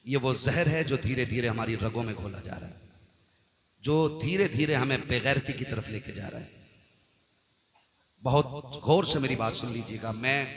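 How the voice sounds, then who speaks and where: A man's voice: medium pitch, moderate pace, pauses often, fairly bright tone. A man, a Muslim cleric, preaching and exhorting, often checking that his listeners agree. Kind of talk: sermon addressed to a congregation. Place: large religious gathering, on microphone. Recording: echoey PA hall, crowd behind.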